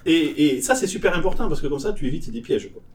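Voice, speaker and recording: A man with a northern French accent tells anecdotes in an animated, joking way during a relaxed chat. He sits some distance from the mic, so his voice comes across a little remote. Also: a little high, quick pace, slight background noise. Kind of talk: casual chat.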